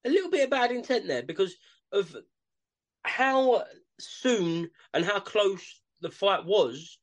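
A man with an East London accent, his voice pitched notably high for a man. He co-hosts a casual sports podcast with laid-back, matey banter. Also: sing-song, slow. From East London, England. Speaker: podcast co-host. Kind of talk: casual boxing podcast chat.

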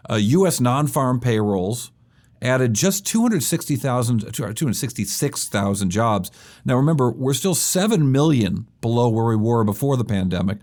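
A man hosting a business news podcast, explaining stock and economic stories briskly with occasional fillers. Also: medium pitch, lively intonation, darkish tone. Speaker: podcast host.

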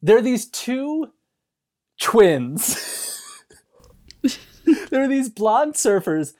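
A woman's voice: fairly high pitch, big pitch swings, drawn-out words, darkish tone. A woman in casual comedic podcast banter about a film, giggly, sweary and mock-indignant, restarting her phrases as she goes. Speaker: podcast speaker discussing a film.

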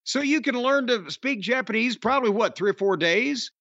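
An older man with a Southern American accent, high-voiced and rambling, cursing and joking his way through casual talk. His voice comes across dry and close, a little dull in tone. He hosts the show and keeps the sarcasm going throughout. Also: expressive, normal speed, sharp tone, dry recording. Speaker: podcast host. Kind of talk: casual chat and ad read. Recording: dry, slightly dull audio.

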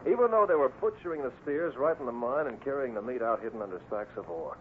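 An actor playing a steady, commanding cowboy hero in a radio Western, brisk, decisive and folksy. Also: male voice, mid-range voice, natural voice. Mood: triumphant. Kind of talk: 1950s radio Western acting. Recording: noisy, tinny old radio recording.

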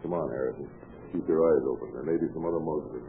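A very deep-voiced 1930s police inspector in a radio crime drama. He is unhurried, wry and firm, with folksy cop talk. The sound is thin and faintly noisy, like an old broadcast. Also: vocal fry, phone-quality sound. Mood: businesslike.

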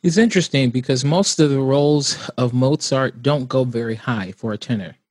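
A man's voice: medium pitch, normal speed, no echo, studio quality. A man, an opera tenor, giving thoughtful, earnest interview answers.

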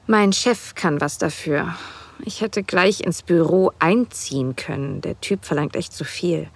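An actress playing a playful, teasing married woman in an intimate audio drama, speaking in a relaxed half-whisper. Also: fairly low pitch, a little slow, gravelly, slightly rough, heavily acted. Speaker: wife in an erotic audio drama.

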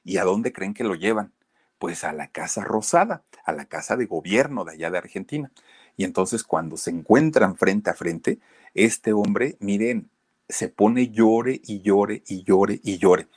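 A man's voice: lowish voice, expressive, measured pace, a little mellow, husky, no echo, clean studio sound. A man with a Mexican accent telling a story in a casual, chatty way, speaking straight to his listeners with plenty of fillers. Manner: addresses listeners directly, chatty with many fillers.

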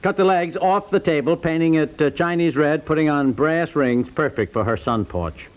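Higher-voiced, folksy American husband played by an actor. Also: male voice, moderate pace, lightly acted, low-quality recording. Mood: glum, resigned. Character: affable, harried, resigned husband. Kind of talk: 1950s radio comedy acting. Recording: vintage 1950s radio broadcast.

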